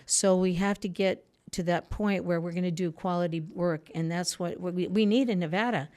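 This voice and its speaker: Her voice low, dark-toned and steady at a moderate pace, a Spanish-first-language woman running for office speaks as an interview guest. She answers earnestly but rambles, frequently leaving sentences unfinished.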